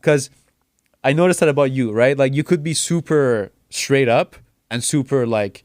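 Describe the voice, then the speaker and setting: A man's voice: medium pitch, darkish tone, no echo, studio quality. A young man as a podcast guest, chatting casually with lots of fillers and "right?". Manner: fast, filler-heavy, keeps saying "right?".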